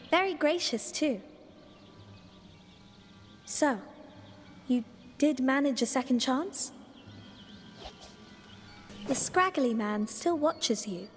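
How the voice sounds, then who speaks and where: An actress playing an enigmatic, playful girl guide in a mythic Persian video game, with a cryptic, gently teasing manner. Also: high voice. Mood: reassuring, teasing. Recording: long reverb, faint music behind.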